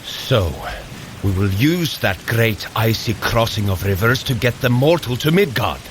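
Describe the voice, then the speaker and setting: An actor playing a hearty, plain-spoken thunder god in an audio drama, with formal old-fashioned phrasing and a wary, courteous way of talking. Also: male voice, mid-range voice, lively intonation, a little slow, a little hiss or hum, lightly acted. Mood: puzzled. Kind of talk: scripted audio drama acting.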